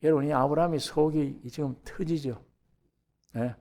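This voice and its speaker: A middle-aged man preaching a sermon as pastor, lively and animated, acting out the voices he quotes with sudden rises in pitch and volume. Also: normal speed.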